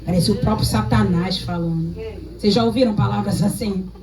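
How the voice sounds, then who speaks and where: A woman's voice: medium pitch, fairly quick, a crowd in the background. A Brazilian woman pastor preaching a sermon, telling stories and acting out dialogue as she exhorts the congregation. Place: church hall. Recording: echoey church hall, mic at a distance.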